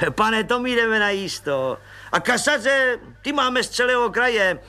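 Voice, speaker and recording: A man voicing a small, eager, grinning police agent with squirrel teeth, fawning and quick to rattle off names. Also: very high-pitched, animated, sharp tone, clear, resonant tone, pitched above the performer's own voice, heavily acted. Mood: boastful.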